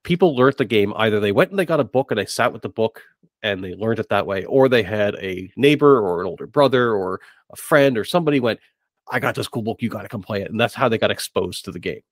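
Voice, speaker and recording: A man's voice: lowish voice, animated, fast, no room sound, studio quality. A middle-aged man in casual podcast discussion, hesitant and repeating words as he works out his thoughts. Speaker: podcast host. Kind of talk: casual discussion of tabletop gaming.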